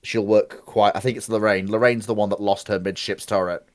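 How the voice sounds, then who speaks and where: A man with a fairly low voice takes part in a casual live debate. He thinks out loud, making hesitant starts before settling into his argument. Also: fairly even intonation, a little fast, dry recording. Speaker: panelist.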